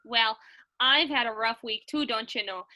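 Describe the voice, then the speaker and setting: A woman's voice: fairly high pitch, normal speed, sharp tone. A woman playing a sweet, unflappable Midwestern housewife with a folksy Minnesotan accent in a comedy sketch reading. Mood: folksy, matter-of-fact.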